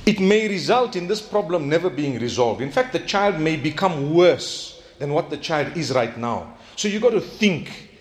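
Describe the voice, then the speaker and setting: A man preaching an Islamic sermon. He tells stories animatedly, acts out bits of dialogue and slows down to stress his key points. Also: fairly high pitch. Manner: animated storytelling, acting out quoted dialogue.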